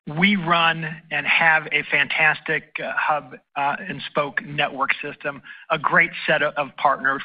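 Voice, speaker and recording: A man speaking as an airline chief executive, answering analysts on an earnings call in halting phrases. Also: on the high side. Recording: dull conference call audio.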